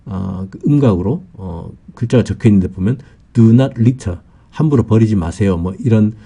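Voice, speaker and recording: Husky, dark-voiced man teaching vocabulary. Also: fairly low pitch, lively intonation. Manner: slow and patient, many "어" fillers, lists meanings one by one. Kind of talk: explanatory lesson, unscripted.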